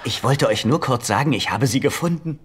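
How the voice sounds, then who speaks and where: A man's voice: mid-range voice, lively intonation, fairly quick, noisy background, natural voice. An actor playing a naive, lovesick, boyish man in a dubbed sitcom, guileless and childlike. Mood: cheerful, smitten. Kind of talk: German-dubbed sitcom acting.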